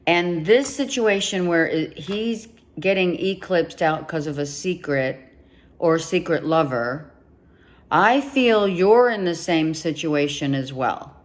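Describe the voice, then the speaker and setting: Reading tarot, this woman speaks slowly in a low voice, pressing her points home by repeating them and addressing the viewer directly. She is losing her voice and coughs along the way.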